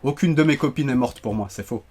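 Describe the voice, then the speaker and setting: A man giving joking, animated commentary while playing a shooter, ranting when things go wrong. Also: mid-range voice, husky, faint music behind. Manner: animated, joking, quick to rant when frustrated. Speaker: gaming YouTuber. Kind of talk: live gameplay commentary.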